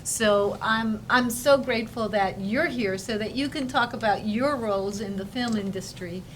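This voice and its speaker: A woman's voice: on the high side, normal speed, a little hiss or hum, poor audio. A woman hosting an interview segment, upbeat, posing long framing questions to her guest. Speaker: interview host. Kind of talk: talk show hosting. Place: studio.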